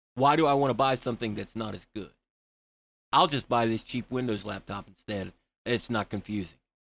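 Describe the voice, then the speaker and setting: A man with an American accent and an unremarkable speaking voice talks at a fairly quick pace, his pitch medium with ordinary variation. The recording is very clean, with a silent background. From Florida. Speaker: tech journalist. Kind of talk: casual chat.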